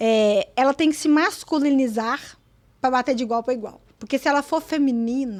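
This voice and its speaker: In a very clean recording with a silent background, a woman speaks at a moderate pace. Her pitch is high, with ordinary pitch variation. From Minas Gerais, Brazil (Belo Horizonte / Pitangui). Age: 40s. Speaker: lawyer and politician. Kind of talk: interview.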